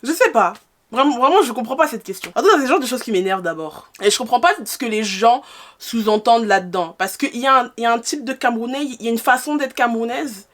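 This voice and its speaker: A woman's voice: on the high side, fast, a bit bright. A young woman in her twenties, raised in France, answering viewer questions in a casual vlog, frank and exasperated, with rhetorical questions. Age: 20s.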